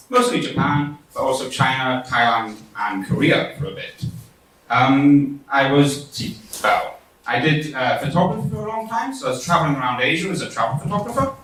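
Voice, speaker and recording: A man from the UK, presenting his team's coding bootcamp app in a relaxed, chatty way. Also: medium pitch, normal speed. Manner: relaxed, chatty, laughs at his own demo. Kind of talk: demo presentation. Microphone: distant from the mic. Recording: echoey hall audio from far off.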